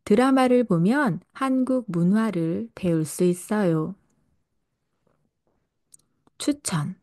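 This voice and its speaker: A woman reading a scripted podcast lesson for language learners, speaking slowly and carefully. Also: medium pitch, dark tone. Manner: slow, careful delivery for learners. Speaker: Korean language teacher and podcast host.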